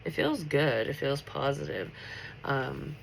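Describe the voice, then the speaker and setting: A congested woman talks through a late-night tarot reading in a chatty, upbeat way, her voice sitting in a gravelly fry. Steady noise hums under the recording, and cards shuffle now and then. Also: very deep voice, slow pace, rough recording. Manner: chatty and upbeat, full of filler words. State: stuffy, congested nose. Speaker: tarot reader.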